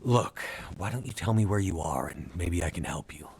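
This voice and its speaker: A weary male survivor in a video game. His voice sits deep with a rough fry, and he talks in short, hesitant, understated phrases. There is faint noise behind him. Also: animated, normal speed, a little mellow. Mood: weary, wary. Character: weary, guarded bush pilot Mackenzie, middle-aged man.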